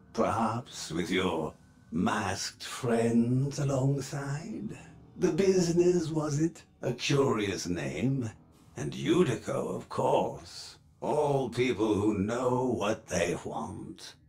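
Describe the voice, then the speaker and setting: Silky game villain boss guy, condescending, slow and swoopy, bit of music under it. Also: mid-range voice, creaky, a little mellow. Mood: sly. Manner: measured, theatrical, condescending. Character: calculating, silky corporate patriarch, middle-aged or older man, villain. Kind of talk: video game villain monologue.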